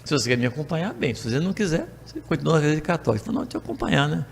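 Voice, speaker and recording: An older Brazilian man giving a spiritist talk, telling stories in a casual, lively way and acting out the dialogue. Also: a little high, very fast, gravelly, a little hiss or hum. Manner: animated, acts out dialogue with voice changes. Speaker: spiritist lecturer. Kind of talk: storytelling talk to a spiritist group. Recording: long reverb of a hall.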